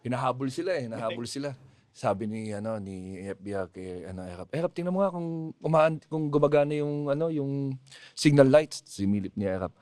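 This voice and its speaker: A man's voice: medium pitch, animated, fairly quick, darkish tone, no echo. A man, a comedian guest on a podcast, rambling through a long joke and acting out the quotes. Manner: rambling storytelling with acted-out quotes and laughter.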